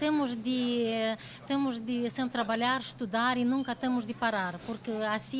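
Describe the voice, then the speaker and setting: Fairly high female voice with a Romanian accent and fairly even intonation. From Moldova. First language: Romanian (speaking Portuguese). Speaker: restaurant cashier. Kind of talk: interview. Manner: halting.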